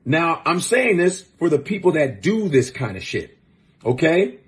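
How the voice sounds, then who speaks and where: A man's voice: fairly high pitch, sing-song, measured pace. A man hosting a show, giving blunt, profane, fired-up commentary in casual talk. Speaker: host.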